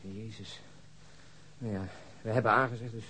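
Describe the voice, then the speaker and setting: A man's voice: on the low side, steady tone, moderate pace, bright, forceful tone, slight background noise, rough recording. An actor in a radio drama playing a wry, uneasy policeman with a dry, sardonic, muttering manner. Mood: wary, grumbling. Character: wry, uneasy policeman searching a flat, Lennart. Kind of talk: naturalistic radio drama acting.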